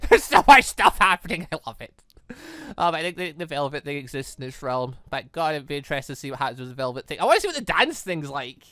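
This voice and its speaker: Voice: mid-range voice, big pitch swings, brisk, a bit bright, no echo. A chatty gaming video creator rambling casually through a visual novel let's play, often getting side-tracked.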